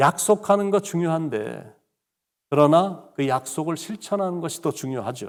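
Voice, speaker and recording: This man has a plain, everyday voice, pitched fairly high, with lively intonation. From Chungcheong, South Korea. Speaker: pastor. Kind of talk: sermon. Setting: online early morning prayer service. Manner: formal.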